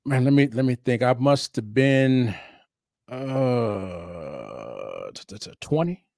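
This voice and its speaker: A man's voice: medium pitch, big pitch swings, slow, creaky, a little mellow, no echo, clean studio sound. A middle-aged man hosting a casual podcast interview, chatty and prone to repeating words as he restarts his sentences. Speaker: podcast host.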